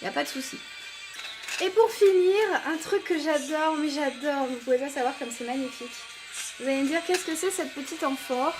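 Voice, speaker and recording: A woman's voice: sits high, fairly quick, over music. A woman with a French accent reviewing make-up gifts in a casual, enthusiastic chat full of fillers. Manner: enthusiastic, chatty, many fillers. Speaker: beauty vlogger.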